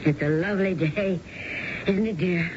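A noisy old radio drama recording of a low female voice. It is a woman playing a gentle, patient wife who speaks in measured, forbearing phrases. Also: dull audio, close to an everyday voice. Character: gentle, patient wife of a middle-aged husband. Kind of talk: 1970s radio drama acting.

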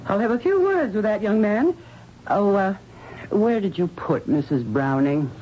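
An actress playing a stern, domineering clinic supervisor in a radio drama, clipped, cold and authoritative. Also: female voice, medium pitch, animated, measured pace, slightly rough. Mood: stern, commanding. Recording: dull, noisy old radio broadcast.

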